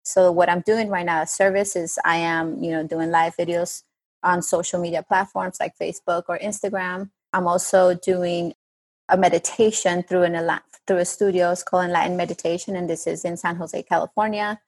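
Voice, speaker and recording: A woman's voice: on the low side, flat delivery, moderate pace. A woman from Colombia with a Colombian Spanish accent, speaking as a guest coach in an earnest, hesitant way with fillers and restarts. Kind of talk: casual interview talk.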